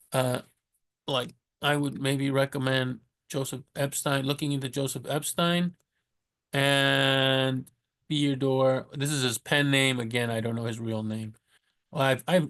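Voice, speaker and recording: A man talking casually and unscripted in a low-key way, haltingly correcting himself as he recommends things like a vlogger. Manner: halting, self-correcting, rambling delivery; low-key, self-described monotone. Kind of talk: casual unscripted vlog talk.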